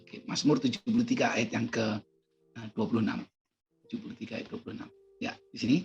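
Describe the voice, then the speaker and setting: A man preaches a lively sermon at an online church service, his voice sitting at an ordinary middle pitch. He swings between ringing cries and quiet asides, keeps turning back to his listeners, and a faint bed of music plays behind him. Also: quick pace, vocal fry, lo-fi sound. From Indonesia. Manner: calls the congregation "saudara" again and again. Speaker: pastor.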